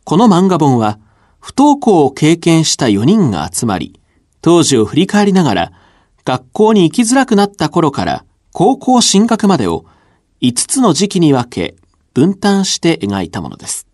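A man announcing in a scripted radio program, reading in a clear, measured way. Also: on the high side, huge pitch swings, a little mellow, no room sound, clean studio sound.

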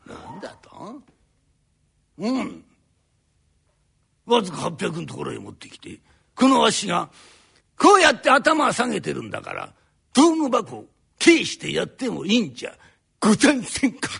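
A male rakugo storyteller voicing a haughty, spiteful older landlord who talks down in drawn-out Edo downtown speech. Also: extremely high pitch, wildly swooping pitch, vocal fry, a bit bright, slightly rough, exaggerated voice. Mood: sneering. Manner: sneering, condescending, drawn out.

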